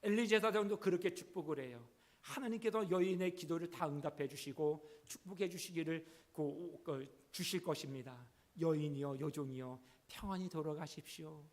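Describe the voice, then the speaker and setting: A man's voice: a little high, normal speed. A middle-aged male pastor preaching a sermon earnestly, asking rhetorical questions and rising in emphasis.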